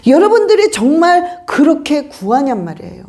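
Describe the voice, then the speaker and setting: Woman pastor, high bright voice with wide swings, presses her points with repeated questions. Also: big pitch swings, moderate pace. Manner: emphatic preaching with rhetorical questions. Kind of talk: sermon.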